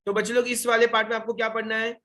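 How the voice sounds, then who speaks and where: Speaking in a pushed, bright monotone at an extremely high pitch, this young Indian-accented teacher races through an online French revision class. He fires questions at students, repeats the main points, and switches between Hindi and English.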